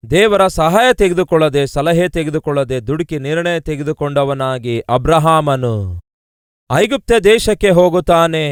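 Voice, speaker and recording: A man's voice: fairly high pitch, clear, resonant tone, dry recording, studio quality. A male pastor delivering a devotional sermon, building emphasis through repeated parallel phrases and direct appeals to the listeners.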